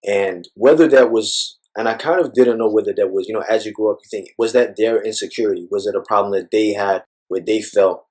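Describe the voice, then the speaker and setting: A man's voice: on the low side, fairly quick, few pauses, darkish tone, low-quality recording. A man speaking as an interview guest, talking thoughtfully in a rambling way with many fillers. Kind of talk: reflective personal conversation.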